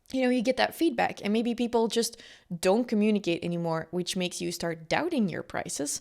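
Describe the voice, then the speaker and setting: Very clean and recorded against a silent background, a woman speaks at a fairly quick pace with a Flemish accent. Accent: Belgian Dutch (Flemish) accent in English. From Belgium. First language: Dutch. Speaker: business coach. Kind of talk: podcast monologue. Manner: casual, with frequent fillers.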